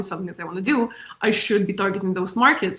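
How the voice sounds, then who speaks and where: A woman speaks with a non-native accent. Her tone is bright and sharp. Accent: noticeable foreign. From Spain, Russian-Romanian family. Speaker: wrestling content creator. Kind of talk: podcast interview.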